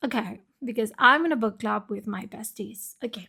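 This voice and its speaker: A woman speaks with a non-native accent. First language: not English. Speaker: book vlogger. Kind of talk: casual book review vlog. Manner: animated; casual, with frequent fillers.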